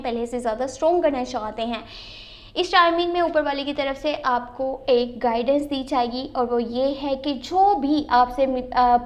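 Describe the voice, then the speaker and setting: A woman's voice: high-pitched, darkish tone. A woman with a slightly sore throat, giving a tarot reading to viewers and mixing in English phrases. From Pakistan. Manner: mixes English phrases into her talk. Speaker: tarot reader and channel host.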